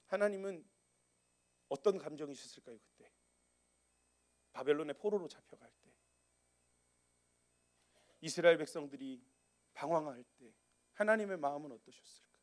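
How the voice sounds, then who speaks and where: Man preaching in animated storytelling. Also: fairly high pitch, normal speed, long pauses. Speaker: pastor. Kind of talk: storytelling sermon.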